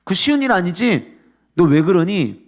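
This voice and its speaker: A pastor playing a scolding old friend. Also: male voice, high voice, sing-song, unhurried, heavily acted. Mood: reproachful. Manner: scolding, rhetorical questions. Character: reproachful older man friend, lecturing.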